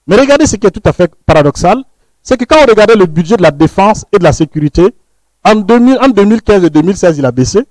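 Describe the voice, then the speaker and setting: A man from Burkina Faso, speaking as a panelist in an analytical talk, emphatic and lecturing, often repeating words before dropping low at phrase ends. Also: expressive, fast, a little mellow, no room sound, poor audio. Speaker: panelist, researcher.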